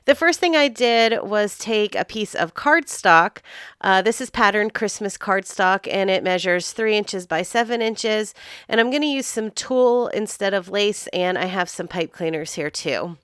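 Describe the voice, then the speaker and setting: A woman's voice: mid-range voice, lively intonation, measured pace, a bit bright, clear, resonant tone, no room sound, studio quality. A woman hosting a craft channel, walking through a tutorial step by step in an upbeat, chatty way, her voice a little nasal because she is getting over a cold.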